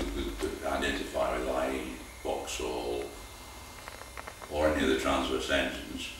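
Noticeable background noise and audible room echo behind a man's voice. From Italian, living in England. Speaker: car designer. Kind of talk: interview answer. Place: workshop. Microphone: camera far.

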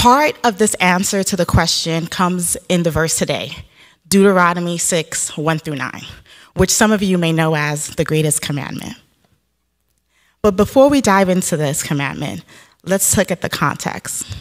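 Against a quiet background, a woman with a fairly low pitch speaks at a moderate pace. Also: ordinary pitch variation. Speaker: preacher. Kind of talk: sermon. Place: stage. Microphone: handheld.

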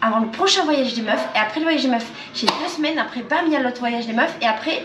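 Noticeable background noise sits under a woman speaking at a fairly quick pace. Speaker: vlogger. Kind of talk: casual vlog chat. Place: kitchen. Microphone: phone near.

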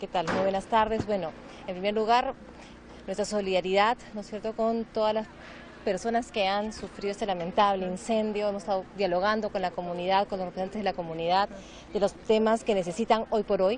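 A woman's monotone, flat delivery in a dry sound with no echo, over light background noise. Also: fairly quick pace. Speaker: government minister. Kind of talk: interview answer. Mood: serious, solidary. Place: street. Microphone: handheld.

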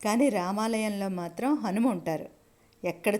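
A woman with an unremarkable speaking voice speaks at a medium pitch. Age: 50s. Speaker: devotional vlogger. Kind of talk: travel vlog narration.

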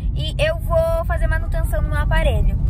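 Through loud background noise, a woman talks at a moderate pace, the sound dry with no echo. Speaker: vlogger. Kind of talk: casual vlog chat. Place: car. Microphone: phone near.

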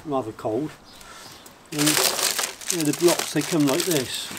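A man talks at a moderate pace in a fairly high pitch with ordinary pitch variation, noticeable background noise behind him. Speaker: knifemaker. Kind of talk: casual tutorial. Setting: workshop, self-filmed. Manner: hesitant, many fillers.

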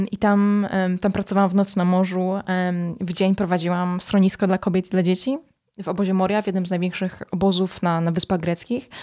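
Against a quiet background, a woman speaks very fast at a medium pitch, her intonation monotone and flat. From Poland, Łódź. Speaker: humanitarian aid worker. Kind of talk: interview conversation. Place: studio. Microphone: studio mic.

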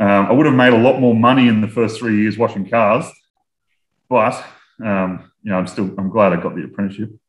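A man with a fairly low voice speaks at a fairly quick pace with fairly even intonation, his words carrying audible room echo over a quiet background. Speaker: guest. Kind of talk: interview answer. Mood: relaxed, amused. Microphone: video call.

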